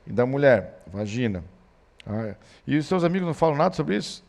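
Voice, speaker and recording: A man's voice: on the high side, quick pace, vocal fry. A man, a pastor telling a family story in a church talk on parenting. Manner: storytelling, animated when quoting his son.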